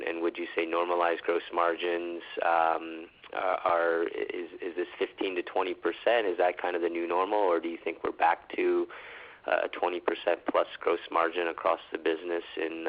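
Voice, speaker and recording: A man's voice: sits low, monotone, normal speed, lo-fi sound. A male financial analyst asking questions on an earnings call in an informal, conversational way, rephrasing as he goes over a conference line. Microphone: phone conference call.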